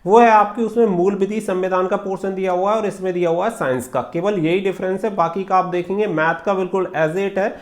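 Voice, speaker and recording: A man's voice: high voice, a little fast, hardly any pauses. A man giving informal exam guidance as a channel host, explaining and repeating points with English terms mixed in. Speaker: exam preparation coach and YouTube channel host.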